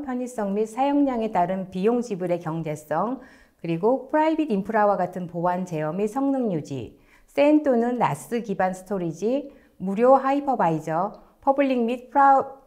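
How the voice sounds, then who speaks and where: Female webinar host, medium pitch, courteous and formal, delivering scripted announcements to viewers. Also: a little mellow. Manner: polite, formal presenter delivery. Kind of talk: scripted webinar hosting, reading aloud.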